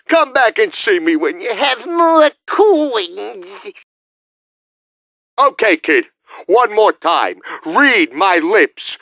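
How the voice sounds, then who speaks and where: A performer voicing a streetwise, wheedling, excitable male costume hawker in a gas mask, a wisecracking video game character full of salesman patter. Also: medium pitch, dry recording, heavily acted.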